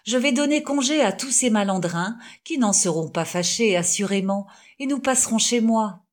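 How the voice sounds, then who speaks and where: A woman's voice: a little high, lively intonation, moderate pace, lightly acted. Woman narrator voicing a timid middle-aged schoolmaster, shy, hesitant, storybook. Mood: moved. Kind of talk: audiobook character reading.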